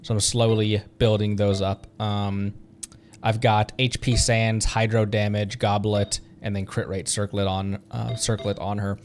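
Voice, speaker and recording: A man's voice: on the low side, little pitch movement, a little slow, darkish tone, a little hiss or hum. A man chatting casually as he hosts a gaming livestream, rambling in loose asides. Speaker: streamer and channel host.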